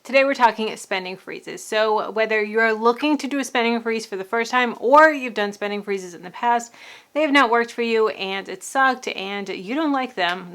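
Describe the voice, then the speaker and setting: A woman's voice: a little high, fairly bright tone. A young adult woman giving casual, upbeat money-saving advice to camera, chatty and repetitive, slightly out of breath from pregnancy. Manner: upbeat, chatty, repeats key phrases. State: pregnant, may sound out of breath. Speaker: personal finance vlogger.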